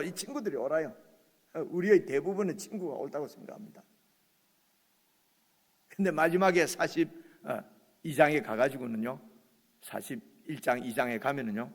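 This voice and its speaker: A man's voice: fairly high pitch, in a large hall. A man preaching a sermon, passionately voicing the protests in the scripture he reads. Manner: impassioned, acts out the speaker's protests in the text. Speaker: pastor. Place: church sanctuary.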